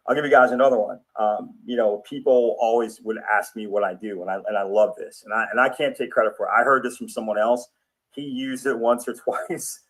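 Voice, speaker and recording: A man giving a casual, animated pep talk, telling stories and acting out both sides of conversations. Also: medium pitch, poor audio. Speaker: crypto promoter.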